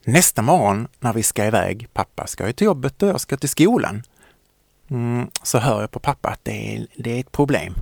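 A man narrating a children's story in a gentle, lively way. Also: mid-range voice, gravelly, no echo, clean studio sound.

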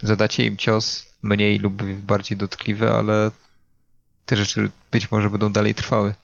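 A man playing a tabletop role-playing game, speaking casually and hesitantly as he deliberates, on a dull lo-fi microphone. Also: on the low side, completely flat delivery, gravelly.

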